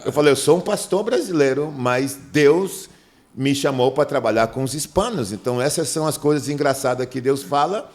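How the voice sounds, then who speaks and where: A man's voice: mid-range voice, moderate pace. A middle-aged man from Manaus, Brazil, a pastor in a podcast interview who tells stories and acts out the dialogue. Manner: animated storyteller, acts out dialogue in a raised voice.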